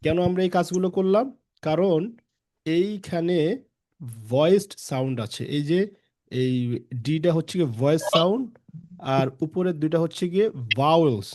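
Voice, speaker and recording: A man's voice: on the high side, normal speed, long pauses, a little mellow. A man teaching an English pronunciation class, explaining step by step, repeating example words and checking in with students. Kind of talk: online class lesson in Bengali with English terms.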